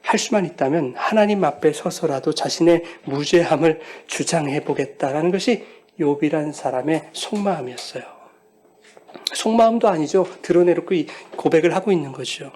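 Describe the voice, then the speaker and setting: A man's voice: a little high, moderate pace, a little mellow. A middle-aged male pastor delivering a sermon, preaching emphatically and putting direct questions to the congregation. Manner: emphatic preaching, voicing quoted lines with rising force.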